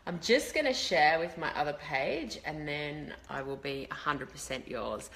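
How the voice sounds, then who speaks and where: Low, bright, slightly crackly woman's voice. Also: lively intonation, measured pace. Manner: chatty, rambling, greets viewers mid-thought. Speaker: leadership coach and live-stream host. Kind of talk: casual chat to a live online audience.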